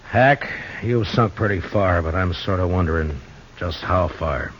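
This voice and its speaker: An actor playing a calm, wry frontier marshal who also narrates, heard on an old 1950s radio broadcast recording. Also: male voice, sits low, a little slow, muffled recording, a little hiss or hum. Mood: dry, calm. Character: steady frontier marshal, grown man, calm and dry. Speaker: narrator and lead character.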